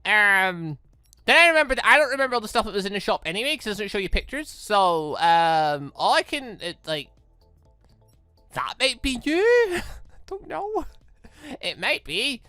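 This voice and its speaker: Guy doing a rambly let's play, really lively pitch, bright voice, music behind him. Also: moderate pace, clean tone, no echo, studio quality. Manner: rambling, self-interrupting, playful sound effects. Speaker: gaming video host. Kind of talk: casual let's-play commentary, reading dialogue aloud.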